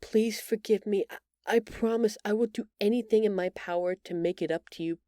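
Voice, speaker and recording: A woman voicing a gentle, timid alien woman in an intimate audio roleplay, speaking hesitantly and earnestly, with tender halting stammers. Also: mid-range voice, no room sound, studio quality, natural voice. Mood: pleading, tearful. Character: gentle, timid bioluminescent alien woman, shapeshifter in human exile.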